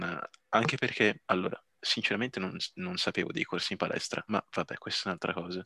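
A man's very deep, low pitch with a bright, sharp tone. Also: dry, close sound with no echo. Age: 20s. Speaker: parkour athlete. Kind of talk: casual chat.

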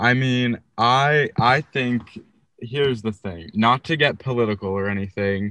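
The sound is dry and close, with no echo and a quiet background. A man talks at a medium pitch. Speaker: podcast host. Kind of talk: casual chat.

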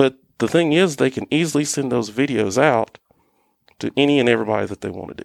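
Vocal fry from a man at medium pitch, very fast pace and ordinary pitch variation, in a dry, close sound with no echo. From Jonesborough, East Tennessee. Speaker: insurance agency owner. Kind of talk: interview.

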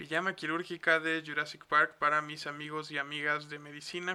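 A man's fairly high, bright and sharp voice with a Mexican accent, a fairly slow pace and monotone, flat intonation. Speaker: podcast host. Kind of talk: casual chat.

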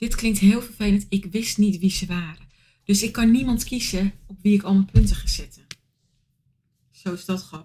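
Her medium-pitched voice is somewhat breathy with a dark, mellow tone, and this woman speaks at a moderate pace with fairly even intonation and big swings in loudness. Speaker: podcast guest. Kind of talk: casual chat.

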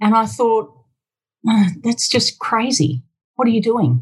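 The voice carries vocal fry and lively intonation. It moves at a fairly slow pace. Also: woman. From South Africa. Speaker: radio journalist and presenter. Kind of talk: casual interview chat.

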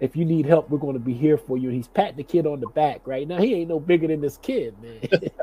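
A man with an American accent, very fast and with hardly any pauses, his tone dark and mellow, somewhat breathy, with ordinary pitch variation. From New Jersey, US. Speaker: retired deputy police chief. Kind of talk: interview conversation. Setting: online video stream. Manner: animated.

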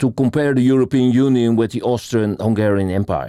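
In a Dutch accent, the voice shows ordinary pitch variation, with a dry, close sound with no echo on a very clean recording with a silent background. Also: man. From Netherlands. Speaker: professor. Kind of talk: interview. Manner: hesitant, with filler words and repetitions.

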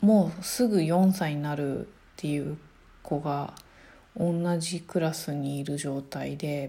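Her voice is very deep and low in pitch, with a dark, mellow tone and ordinary pitch variation. The woman speaks at a very slow pace with long, frequent pauses. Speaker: solo podcaster. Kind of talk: casual solo monologue. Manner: unedited, with pauses and fillers.

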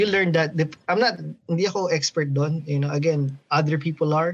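In a normal speaking voice, a man talks at a moderate pace and fairly high pitch with fairly even intonation. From Philippines. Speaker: navy sailor. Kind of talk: casual interview.

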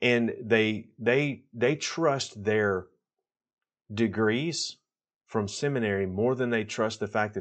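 This man talks at a very slow pace in a fairly low pitch, with ordinary pitch variation. The background is quiet. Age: 40s. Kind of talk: religious talk / teaching monologue. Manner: halting, repeats words.

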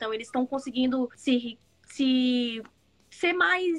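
Music plays in the background as a woman talks at a very slow pace. Her voice is high, with ordinary pitch variation. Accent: northern Brazilian. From Manaus, Amazonas, northern Brazil. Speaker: comics editor and YouTuber. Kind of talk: interview.

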